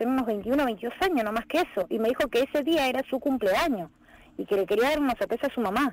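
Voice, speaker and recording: Speaking with a Rioplatense accent, a woman with a high pitch moves at a fairly quick pace with lively intonation. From Argentina. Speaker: radio caller. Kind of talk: personal story. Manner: halting.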